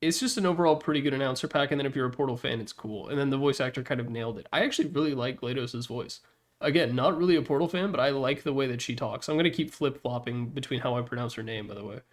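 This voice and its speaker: A man's voice: mid-range voice, fast. A man giving casual, opinionated commentary in an informal, blunt way, as a gaming content creator.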